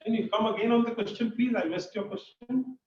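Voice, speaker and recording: A man with an Indian accent answering questions as an executive on an earnings call, speaking haltingly and repeating his phrases. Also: high voice, slight background noise. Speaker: company executive. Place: conference call. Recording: muffled, distant, echoey conference call.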